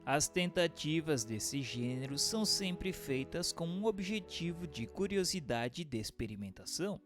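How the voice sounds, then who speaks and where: A man's voice: on the high side, lively intonation, moderate pace. A man with a Brazilian accent reading scripted narration in a formal, didactic way. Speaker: narrator and questioner. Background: music.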